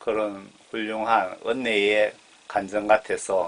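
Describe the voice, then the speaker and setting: A man talks over noticeable background noise. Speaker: lay evangelist who uploads testimonies. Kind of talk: spoken introduction to a religious video.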